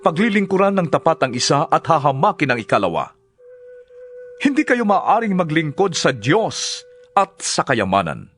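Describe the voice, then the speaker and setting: A man with a Filipino accent playing a solemn, earnest religious teacher in a dramatized scripture reading, with measured, declamatory delivery. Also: on the high side, very animated, fairly bright tone. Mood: solemn, instructive. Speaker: voice actor.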